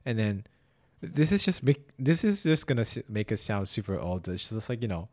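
Lively laid-back man chatting. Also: fairly low pitch, normal speed. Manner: laid-back, joking, laughs easily. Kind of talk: casual chat.

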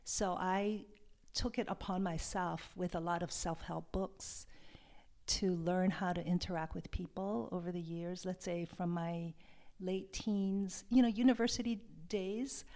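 A woman from Hawaii, a love and sexuality coach, talking in a soft, hesitant and reflective way as an interview guest. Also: lowish voice, steady tone, measured pace. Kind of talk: podcast interview.

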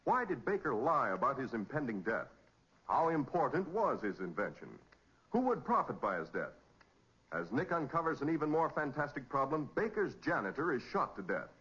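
Male American announcer, 1940s radio narration: emphatic, very lively delivery, dull vintage recording. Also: medium pitch, moderate pace, breathy edge. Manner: polished, emphatic, dramatic.

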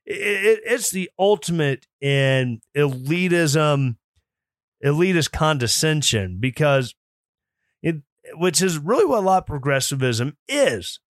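A man's voice: on the high side, animated, a little slow, dry recording, studio quality. A man hosting his own political commentary podcast, opinionated and mocking, sometimes mimicking opponents in snooty put-on voices. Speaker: podcast host.

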